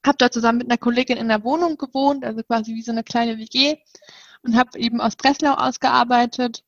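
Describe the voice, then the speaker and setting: A woman's voice: on the high side, fairly even intonation, quick pace, no room sound, lo-fi sound. A woman in her twenties co-hosting a podcast, hesitant, with many fillers. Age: 20s. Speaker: podcast co-host. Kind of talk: casual podcast chat.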